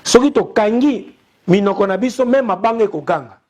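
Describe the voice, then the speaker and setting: A young man with a Congolese accent delivers a fervent commentary straight to his viewers. His voice sits notably high for a man, and he drives his case with insistent, repeated calls to action. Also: expressive, normal speed, darkish tone. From Democratic Republic of the Congo. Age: young adult. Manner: urgent, repetitive, rallying appeals to listeners. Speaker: online TV commentator. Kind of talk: impassioned commentary to camera.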